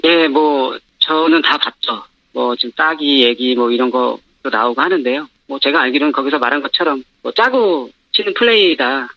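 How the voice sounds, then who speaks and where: A man with his voice disguised by a pitch-shifting modulator, calling in as an anonymous former store owner and talking hesitantly with many fillers. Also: moderate pace, few pauses, dry recording. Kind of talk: phone-in news interview. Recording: dull phone line.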